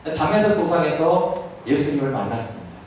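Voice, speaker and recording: A man preaches to a congregation in a church hall with a fairly high voice. He keeps turning to his listeners with questions and acts out quoted words. The hall is very echoey, and he is heard from a distance with faint noise behind. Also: big pitch swings, fast, a little mellow. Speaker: pastor. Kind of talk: sermon lecture to a congregation.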